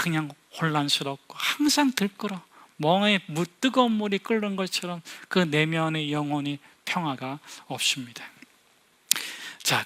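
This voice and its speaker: A man preaching a Sunday sermon as a pastor, animated, with sudden loud emphasis and quick voiced asides. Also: fairly high pitch. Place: church sanctuary.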